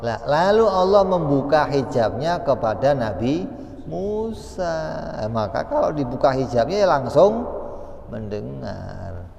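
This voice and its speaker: Slow-speaking man teaching in a reverberant hall. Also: medium pitch, very animated, gravelly, a little mellow. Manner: conversational, asks and answers his own questions. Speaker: religious teacher. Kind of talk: Islamic study lecture.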